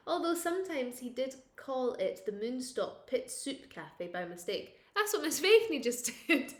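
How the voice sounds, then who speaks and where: A woman, a primary school teacher, reading a picture book to young children expressively, with dramatic pauses and questions to her listeners. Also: sits high, echoey room.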